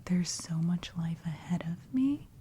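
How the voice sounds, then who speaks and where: Softly whispering woman in her thirties. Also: fairly low pitch, animated, a little slow, slight background noise. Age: 30s. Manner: soft encouraging whisper with frequent fillers. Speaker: ASMR creator. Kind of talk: whispered ASMR ramble. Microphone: close studio mic with brushing.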